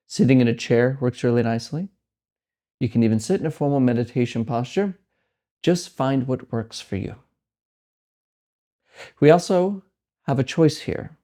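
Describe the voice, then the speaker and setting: Mellow man guiding a meditation. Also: medium pitch. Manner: gentle, unhurried phrasing with deliberate pauses. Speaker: meditation guide and host. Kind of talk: guided meditation instruction.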